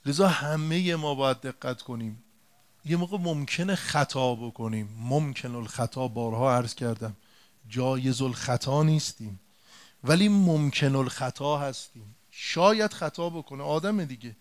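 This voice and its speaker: A man preaching a religious sermon, retelling an old story in a colloquial way and turning to his listeners with direct rhetorical questions and emphatic repetition. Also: mid-range voice.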